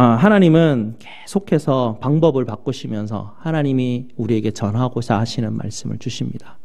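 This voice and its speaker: A male pastor preaching a sermon in a church, animated, swinging from loud outbursts to low asides. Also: gravelly.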